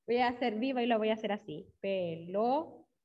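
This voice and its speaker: A woman with a Chilean accent teaching an online class to young children, encouraging and praising pupils by name, drawing words out slowly syllable by syllable. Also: fairly high pitch, fairly even intonation. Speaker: primary school teacher. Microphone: video call. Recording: dull lo-fi video call audio.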